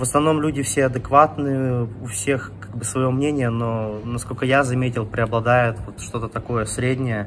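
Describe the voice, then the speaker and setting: With light background noise, the speech runs at a moderate pace with hardly any pauses and fairly even intonation. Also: man. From Russia. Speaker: software developer; street interview respondent. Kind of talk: interview. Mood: calm, thoughtful. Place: street.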